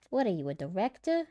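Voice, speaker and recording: A woman with a small, light voice, chatting casually and thinking out loud between practice lines, giggly and self-deprecating. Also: a little high, no room sound. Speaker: aspiring voice actor and content creator. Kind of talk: casual vlog talk while practicing voice lines.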